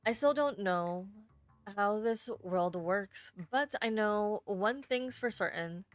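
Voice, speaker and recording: A woman's voice: medium pitch, expressive, takes it slowly, no room sound. A woman streamer reading a first-person story aloud expressively, sometimes stumbling over words and rereading them.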